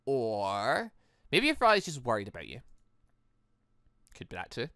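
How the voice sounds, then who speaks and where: Bright, animated gaming host. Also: medium pitch, a little slow, no echo, studio quality. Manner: exclamatory, playful asides. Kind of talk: let's-play commentary, reading visual novel dialogue aloud.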